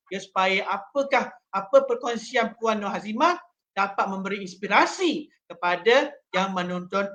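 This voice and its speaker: A man with a Malaysian Malay accent hosting a live online interview, talking with many pauses and fillers. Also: sits high, fairly bright tone. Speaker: live stream host.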